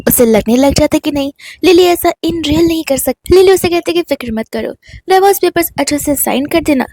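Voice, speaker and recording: A woman's voice: high voice, expressive, a little fast, dark tone, dry recording. A woman narrating a drama recap in a casual storytelling way, mixing in English words. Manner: retells scenes in Hindi mixed with English words.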